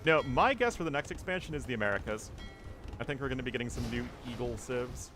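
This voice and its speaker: A man commentates a live strategy game match in a relaxed, chatty way, breaking off to answer chat. His voice sits at an ordinary middle pitch. Faint music plays quietly underneath. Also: fast. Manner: casual, chatty, thinks aloud with fillers. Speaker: streamer and caster.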